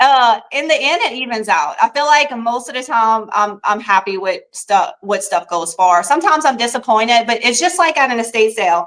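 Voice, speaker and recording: Speaking in a Southern Louisiana accent, a woman with a fairly high pitch uses lively intonation at a moderate pace with hardly any pauses. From US South, south Louisiana. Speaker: small business owner, reseller. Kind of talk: interview.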